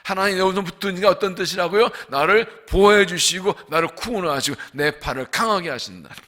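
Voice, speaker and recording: A man preaching as senior pastor at a dawn revival service in a church, emphatic, asking the congregation questions and slowly stressing scripture lines. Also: sits high, pushed and bright. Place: church sanctuary.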